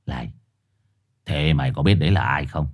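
A man voicing a bossy, gruff black four-eyed street dog with a hoarse, raspy voice. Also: rumbling low, moderate pace, pitched below the performer's own voice. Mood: low, conspiratorial. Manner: growling, rough, condescending.

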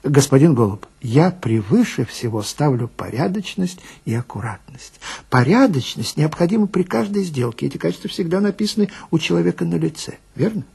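A man playing a husky, sighing old swindler. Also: a little high, lively intonation, brisk, darkish tone, full character voice. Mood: self-righteous. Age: 50s. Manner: obsequious, sighing, wheedling, self-righteous. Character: polite, plaintive 52-year-old male marriage swindler with dignified airs. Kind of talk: dramatic monologue, character dialogue.

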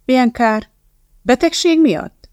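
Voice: high-pitched, darkish tone, dry recording, clean studio sound, pitched above the performer's own voice, close to an everyday voice. A reader voicing a nosy, awkward male journalist who pries and then apologizes. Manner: prying, fumbling, apologetic.

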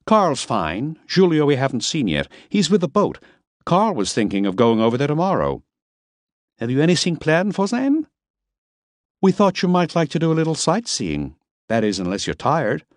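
A man's voice: fairly high pitch, huge pitch swings, moderate pace, no echo, studio quality, pitched above the performer's own voice. A man doing a cool, composed woman.

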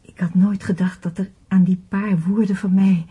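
A devoted young musician in a radio drama. Her voice is very breathy and mellow. She speaks with earnest, reverent gratitude. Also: medium pitch, fairly even intonation, moderate pace. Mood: earnest, grateful. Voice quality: breathy, soft. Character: grateful, devoted, earnest blind female concert musician. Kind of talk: radio play acting.

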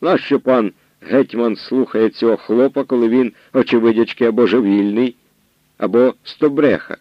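A man's voice: medium pitch, moderate pace, no room sound, muffled recording, natural voice. A man voicing a scornful, argumentative male nobleman in an audiobook reading. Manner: mocking, argumentative. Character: scornful male nobleman, sharp-tongued lord.

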